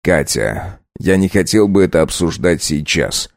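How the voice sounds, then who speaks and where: A man playing a cold, domineering male vampire count who talks in a slow, clipped, hissing way. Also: sits low, very animated, no room sound, studio quality, heavily acted.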